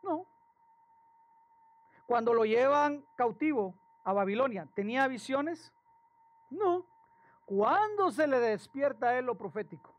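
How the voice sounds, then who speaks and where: A male pastor, preaching a sermon in a lively storytelling way and asking the congregation questions. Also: very high-pitched, slow pace, long pauses, no echo, highs cut off. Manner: animated storytelling with acted quotes and questions to the congregation.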